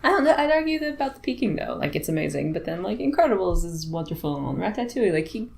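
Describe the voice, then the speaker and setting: A woman's voice: mid-range voice, fast, creaky. A woman co-hosting a movie podcast in casual chat, laughing often and talking with animation. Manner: giggly, animated. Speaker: podcast co-host.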